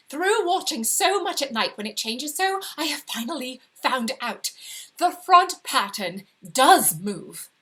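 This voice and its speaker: A woman's voice: high voice, full character voice. A woman with a British accent playing an obsessive, secretive Victorian wife slipping into madness, confiding intensely in a dramatic story reading. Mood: excited, conspiratorial. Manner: confiding, intense, with sudden hushed emphasis. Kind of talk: dramatic first-person short story reading. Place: live reading over video call.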